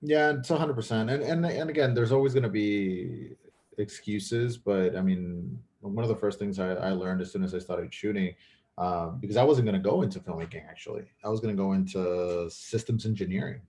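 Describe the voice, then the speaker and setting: With a warm, fairly low voice that runs a little fast, a filmmaker guest talks in a relaxed chat. Spanish is his first language and Mexico is where he grew up; his manner is thoughtful, full of fillers and sentences he begins again.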